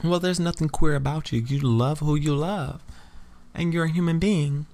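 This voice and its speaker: A man's voice: a little high, normal speed, a little mellow, slight background noise, close to an everyday voice. A man voicing a romantic, hopeful trans woman in her late twenties, sweet and sincere, in an audio drama. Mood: warm, grateful.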